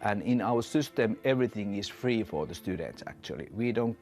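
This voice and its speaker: A man's voice: fairly low pitch, animated, fairly quick, a little mellow, soft background music. A man whose first language is Finnish, answering interview questions about his school in plain, slightly broken English.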